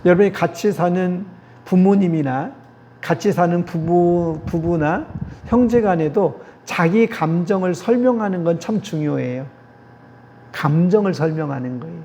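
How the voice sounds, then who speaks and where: Gravelly warm-voiced male preacher, lo-fi. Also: sits high, measured pace. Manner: earnest, repeats key phrases, acts out little prayers. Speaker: pastor or theology professor. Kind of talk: lecture-style sermon. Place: church meeting hall. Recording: dull lo-fi recording with faint noise.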